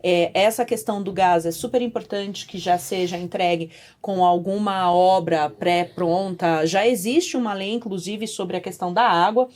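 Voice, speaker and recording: A woman's voice: fairly low pitch, steady tone, normal speed, few pauses, darkish tone. A woman with a Brazilian accent, explaining things conversationally as a podcast panellist in an articulate, advisory way.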